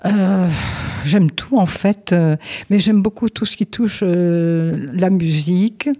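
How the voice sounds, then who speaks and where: An older woman living in a nursing home, answering interview questions gently with many pauses and fillers. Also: lowish voice.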